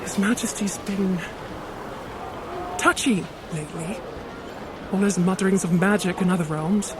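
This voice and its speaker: A woman's voice: mid-range voice, measured pace, background noise, lightly acted. An actress playing a cautious, gossiping giant palace servant woman in an audio drama, guarded and confiding. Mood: wary, confiding.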